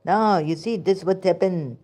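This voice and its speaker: A woman's voice: fairly low pitch, measured pace, darkish tone. A woman with a Pakistani accent giving rambling, sarcastic religious commentary in broken English. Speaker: vlogger.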